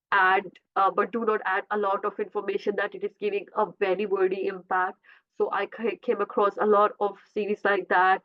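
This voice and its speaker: A career coach whose first language is Urdu presents an informal webinar with slides over a video call, her voice medium-pitched. She often says "uh," repeats herself, and corrects herself mid-sentence, and the audio sounds tinny and phone-like.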